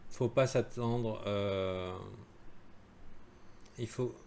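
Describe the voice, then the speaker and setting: A man's voice: on the low side, extremely slow, a little mellow, slight background noise. A man giving a live crypto chart analysis in a casual, joking way, with many fillers and asides to viewers. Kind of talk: live-streamed market analysis.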